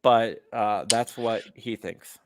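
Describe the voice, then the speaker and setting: A man hosting a casual call-in interview, relaxed and halting, often stammering and restarting. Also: fairly low pitch, background noise. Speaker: host.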